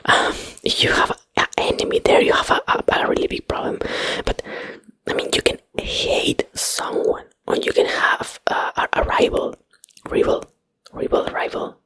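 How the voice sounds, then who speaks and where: Female ASMR host, Spanish accent, native Spanish speaker. Breathy whisper, dry and close-miked, hesitant casual rambling. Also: moderate pace, a bit bright, dry recording, rough recording. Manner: hesitant, rambling, searching for English words. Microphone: close microphone.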